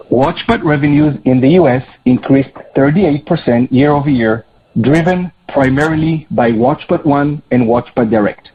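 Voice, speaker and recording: Male CEO, husky voice, formal scripted business read, slightly lo-fi call sound. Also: medium pitch. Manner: formal, measured business delivery. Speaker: chief executive. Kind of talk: prepared earnings call remarks, read out. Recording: slightly dull, lo-fi conference call audio.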